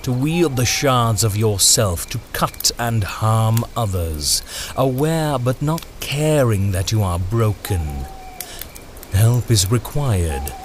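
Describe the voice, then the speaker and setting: An actor playing a sinister, poetic gentleman stranger in a dark audio drama, speaking with formal, measured menace. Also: lowish voice, noisy background. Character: sinister, courtly, poetic stranger in fine clothes.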